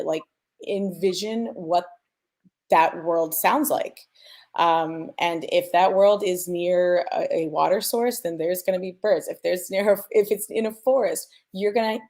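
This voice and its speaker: Lower-pitched woman with a creaky edge. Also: darkish tone. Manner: thinking aloud, checks in with "right?". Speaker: sound designer, panel speaker. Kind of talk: informal technical explanation.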